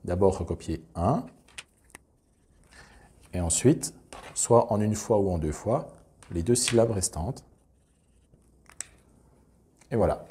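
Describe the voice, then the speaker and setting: A man with a low, mellow voice gives a patient classroom demonstration in a teacher's measured tone. He explains each step methodically and plainly, without hurrying. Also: expressive, a little hiss or hum. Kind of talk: instructional demonstration.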